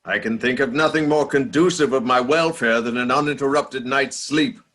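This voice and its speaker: An actor in a radio play voicing a miserly old man softened by memories, hesitant and full of feeling. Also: medium pitch, normal speed, lightly acted. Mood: wary, grumbling. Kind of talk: dramatic radio play acting.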